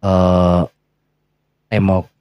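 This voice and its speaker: A man's voice: low-pitched, completely flat delivery, very slow, smooth, dry recording. A man with a Sundanese accent telling a story in a dramatic bedtime-tale style. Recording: muffled, lo-fi recording.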